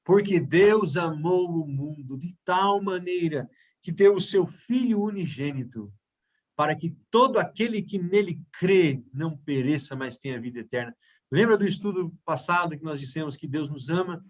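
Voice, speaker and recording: High-voiced Brazilian man teaching Bible study. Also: lively intonation, normal speed. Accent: Brazilian Portuguese. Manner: explains step by step, checks in with listeners often.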